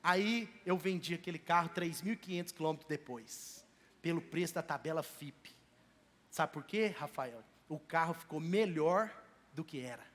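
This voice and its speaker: A pastor with a Brazilian Portuguese accent from Minas Gerais preaches in a church sanctuary, telling stories conversationally. His voice is fairly high and moderately paced, and the recording carries the long reverb of a church hall.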